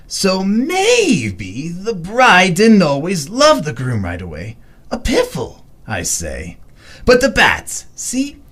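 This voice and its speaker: A deranged, theatrical clown villain for an audio drama. He draws his words out slowly and swings wildly from murmurs to shrieks, cooing with mock affection and gleeful menace. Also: sits high, huge pitch swings, fairly bright tone, husky, exaggerated voice. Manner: theatrical, sing-song, drawn-out, lurching from murmurs to shrieks.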